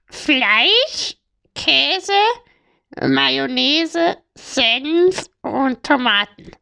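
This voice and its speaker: Co-host, young woman, deadpan and teasing, very high, bright, unhurried delivery. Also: gravelly. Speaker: podcast co-host. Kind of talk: casual chat.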